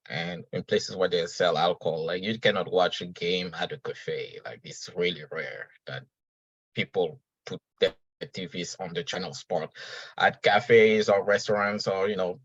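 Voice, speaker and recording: A man's voice: deep voice, dry recording, dull audio. A man, a podcast guest talking earnestly and reflectively at an uneven pace. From Senegal. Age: 30s. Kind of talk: casual conversational interview.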